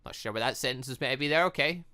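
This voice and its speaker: A man's voice: mid-range voice, rapid-fire, sharp tone. A man doing let's-play commentary on a game, rambling and thinking aloud as he goes. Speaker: gaming video host.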